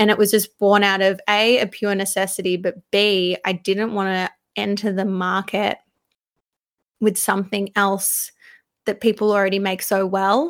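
A woman talks with an Australian accent. The recording is very clean with a silent background. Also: medium pitch for a woman, moderate pace. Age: 20s. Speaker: cosmetics business founder and makeup artist. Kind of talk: casual chat. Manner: animated.

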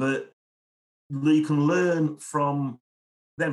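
Here a man speaks with a northern English accent at a fairly high pitch. His intonation is fairly even. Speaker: business speaker and author. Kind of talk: interview. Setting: video call.

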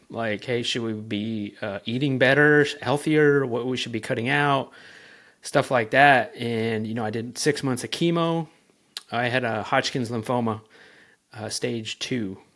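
An unremarkable speaking voice with an American accent, fairly slow pace and fairly even intonation. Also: man, medium pitch for a man. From Los Angeles, California. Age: 40s. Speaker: homesteader and video creator. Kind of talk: interview.

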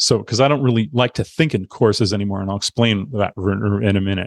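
With a normal speaking voice, a man at a fairly low pitch shows ordinary pitch variation, recorded dry and close with no echo over a quiet background. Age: 50s. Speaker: herbalist and membership site owner. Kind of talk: casual interview.

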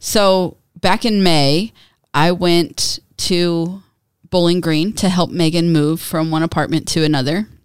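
With an ordinary speaking voice, a woman talks at a fairly slow pace and fairly low pitch, her intonation fairly even and her loudness very even, on a very clean recording with a silent background. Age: 40s. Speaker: podcast co-host. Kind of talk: casual chat.

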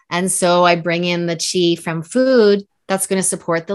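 A woman with a fairly low pitch and a plain, everyday voice talks at a fairly slow pace against a quiet background. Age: 50s. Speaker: qigong instructor. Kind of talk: interview; guided meditation.

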